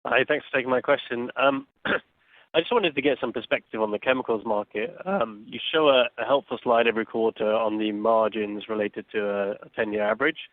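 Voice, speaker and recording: A man's voice: medium pitch, fairly quick, no room sound. A man, a financial analyst, putting polite questions to executives on an earnings call. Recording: dull, dry call audio.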